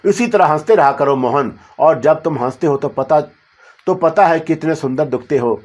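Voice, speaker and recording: A man's voice: a little high, natural voice. A man voicing a devoted, lovesick young female spirit who speaks tenderly and with longing. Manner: tender, yearning, softly pleading.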